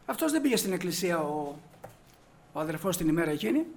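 A man with a notably high voice delivers a sermon. He tells stories and acts out the people in them, then rises into emphatic points for his listeners. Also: sing-song, slight background noise. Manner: storytelling, acts out dialogue, rises to emphatic peaks. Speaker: preacher. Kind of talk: sermon with anecdotes.

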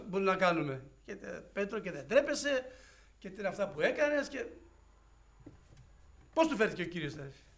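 A man preaching an evangelical sermon, shifting between hushed storytelling and loud fervent exclamations and acting out dialogue. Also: high-pitched. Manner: acts out dialogue in quoted voices.

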